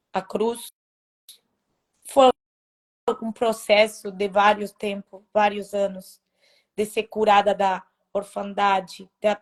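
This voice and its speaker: A woman telling her personal faith testimony in a halting, emotional way, with many restarts. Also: medium pitch. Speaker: testimony speaker.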